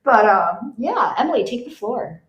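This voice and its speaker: A woman's voice: a little high, sing-song, normal speed. A young woman co-hosting a casual podcast, rambling with lots of fillers and giggling often. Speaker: podcast co-host. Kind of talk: casual chat. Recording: echoey room, no proper mic.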